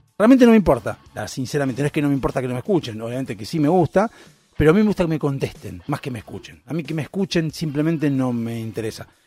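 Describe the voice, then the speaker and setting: This man talks at a very fast pace, his fairly high pitch carrying lively intonation. His tone is dark and mellow, and the sound is dry and close with no echo. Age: 40s. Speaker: radio host. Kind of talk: casual radio monologue.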